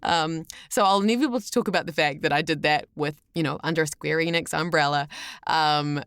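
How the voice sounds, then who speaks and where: A woman's voice: low-pitched, a little fast, fairly bright tone, clean tone, no echo. A woman telling personal stories as a podcast guest, enthusiastic and chatty, acting out what people said. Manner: chatty, enthusiastic, acts out reported speech. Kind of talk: animated personal storytelling.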